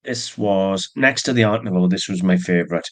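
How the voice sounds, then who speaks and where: Deep-voiced man talking through a jewelry haul. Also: moderate pace. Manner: chatty, plain, with fillers and asides. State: stuffy with allergies, yawning. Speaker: antique jewelry seller. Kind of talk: casual show-and-tell narration.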